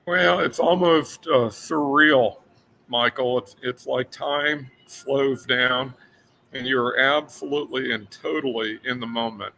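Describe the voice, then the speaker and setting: An older man from Florida talks as a guest on a show. His voice is gravelly and bright, and he speaks earnestly and unhurriedly, with many fillers. A faint hiss of noise sits behind him. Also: medium pitch, fairly even intonation, slow, rough recording. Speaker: guest author. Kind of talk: casual interview chat.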